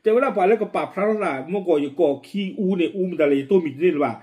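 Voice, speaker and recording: A man presenting and commenting on the news in a rapid, informal way, with many fillers. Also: high-pitched, lively intonation, a little mellow. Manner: quick, running commentary with frequent fillers.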